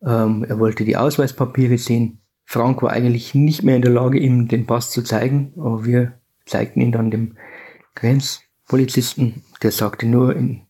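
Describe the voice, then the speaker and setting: Husky man calmly recounting a memory. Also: mid-range voice. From Bavaria, Germany. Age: 50s. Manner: calm, measured recollection. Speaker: podcast guest telling his story. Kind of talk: personal storytelling.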